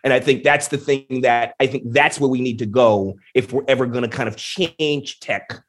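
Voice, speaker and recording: A man answering interview questions in an emphatic, animated way, often tossing in "you know" and "right". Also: mid-range voice, moderate pace. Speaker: guest.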